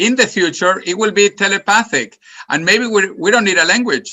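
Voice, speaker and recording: Here a man talks with a Spanish accent. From Venezuela. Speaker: futurist. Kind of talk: interview.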